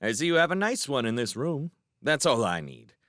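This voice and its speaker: A man's voice: medium pitch, big pitch swings, moderate pace, a bit bright, no echo, clean studio sound, voice pushed up. A man voicing an easygoing, polite fire demon in an audiobook. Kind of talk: audiobook character voice.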